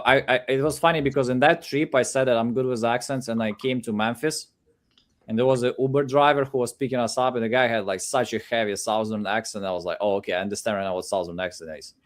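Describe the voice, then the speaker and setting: Chatty man who stumbles over words. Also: mid-range voice. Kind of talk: casual chat.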